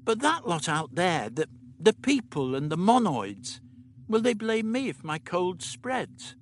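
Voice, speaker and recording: A man's voice: high voice, big pitch swings, a little slow, slight background noise, pitched above the performer's own voice, heavily acted. A man voicing a fretful young woman with a cold, speaking in a sniffling, plaintive way.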